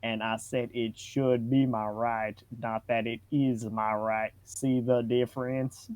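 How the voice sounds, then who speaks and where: A man's voice: mid-range voice, flat delivery, slow, a little mellow, smooth, no room sound. A man reading social media posts for comedy and bantering as co-host, amused and mock-formal.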